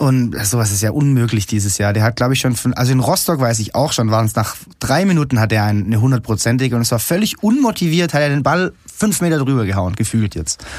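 Talking at a very fast pace, a man keeps his loudness very even while his intonation stays lively. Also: medium pitch for a man. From Stuttgart, Germany. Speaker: rapper and football fan. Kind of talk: casual chat. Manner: hesitant with many fillers.

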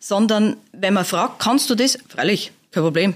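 A woman at a medium pitch with very wide pitch swings, at a fairly slow pace. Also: very clean recording, silent background. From Germany, northern Upper Palatinate (Waldsassen). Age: 40s. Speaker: photographer. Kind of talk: interview. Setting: studio.

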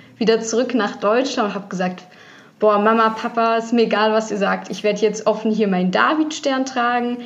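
Amid noticeable background noise and audible room echo, a fairly high-pitched woman talks at a moderate pace with fairly even intonation. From Germany. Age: 20s. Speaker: activist and student. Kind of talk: interview conversation. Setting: video call.

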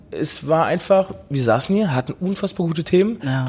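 There is noticeable background noise as a man talks at a high pitch with ordinary pitch variation. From Siegerland, Germany. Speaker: pub owner. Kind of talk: casual chat. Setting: in a pub.

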